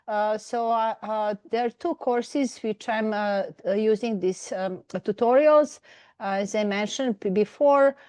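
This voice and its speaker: A middle-aged woman from Serbia with a Serbian accent, a professor giving a webinar presentation, pausing often with fillers and restarts. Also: medium pitch, darkish tone, no echo. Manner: halting, many fillers and restarts.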